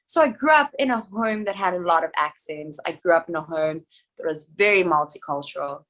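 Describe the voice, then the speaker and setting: A young adult woman from South Africa, an actress talking in a casual podcast chat, chatty and animated with quick asides. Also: fairly low pitch. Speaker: actress guest.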